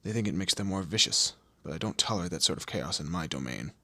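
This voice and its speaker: A man playing a commanding, teasing demon lord in an audio roleplay, with a low gravelly, husky voice and an imperious, theatrical manner. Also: expressive, fast, sharp tone, no room sound, heavily acted. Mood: probing, menacing. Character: male demon lord, commanding, menacing, teasing boss of hell. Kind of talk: scripted audio roleplay addressed to the listener.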